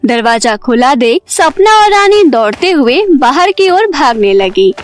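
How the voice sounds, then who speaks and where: A woman narrating a scripted fairy tale in an expressive storybook manner. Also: high voice, unhurried.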